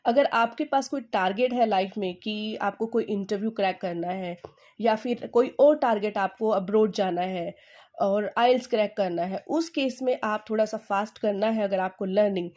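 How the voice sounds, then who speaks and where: Teaching English through Hindi, a woman with an Indian accent repeats her points and asks "okay?" to check understanding. When reading English sentences she dictates slowly with stress, and her medium-pitched voice is a little mellow.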